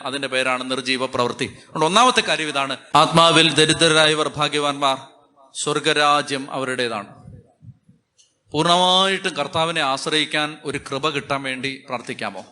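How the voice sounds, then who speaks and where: A man's voice: a little high, bright, forceful tone. A man with a Malayali accent, a Catholic priest preaching a sermon with emphatic, repeating phrases.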